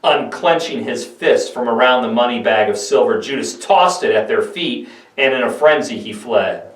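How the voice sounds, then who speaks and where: A man's voice: mid-range voice, expressive, moderate pace. A man giving a scripted, dramatic narration of a Bible story with emphatic, theatrical delivery. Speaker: pastor, narrator. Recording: echoey room, distant microphone.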